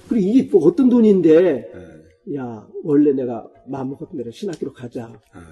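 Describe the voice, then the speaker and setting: A man speaks at a moderate pace in a fairly high pitch, somewhat breathy, with a dark, mellow tone. His pitch swings very widely and his loudness shifts a lot. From South Korea, Chungcheong (Nonsan, Ganggyeong). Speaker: retired pastor and church writer-editor. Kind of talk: interview.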